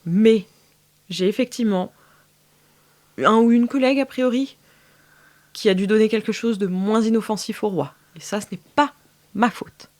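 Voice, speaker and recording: A woman's voice: medium pitch, normal speed, long pauses, darkish tone, close to an everyday voice. A woman playing a cornered potion maker in an improvised role-play, hesitant and defensive as she bargains for her life. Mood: guarded.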